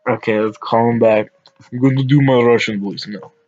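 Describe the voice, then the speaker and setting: A man's voice: medium pitch, steady tone, moderate pace, a little mellow. A man hosting a prank-call video, talking casually to his viewers with swearing. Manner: laughing, amused, swearing. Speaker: prank caller, video host. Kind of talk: casual commentary to camera. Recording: slightly dull lo-fi audio.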